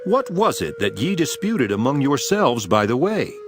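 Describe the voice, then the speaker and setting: A man's voice: mid-range voice, very animated, normal speed, close to an everyday voice. A man playing Jesus as a solemn, authoritative teacher in a dramatized scripture reading, declamatory and commanding. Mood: questioning. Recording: music behind the voice. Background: music.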